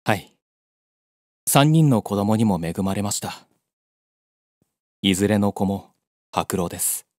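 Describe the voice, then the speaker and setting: A man's voice: on the low side, lively intonation, unhurried, no room sound, clean studio sound. A man playing a determined white-wolf beastman in an audio drama, formal and earnest. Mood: respectful, solemn.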